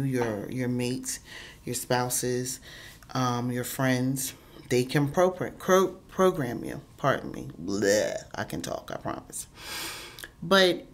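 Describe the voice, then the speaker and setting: Stuffy-nosed lady vlogging on her phone, super low voice, earnest, lots of ums. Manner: earnest, emphatic, repeats words, many ums. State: congested, stuffy nose. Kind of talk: casual motivational talk to camera.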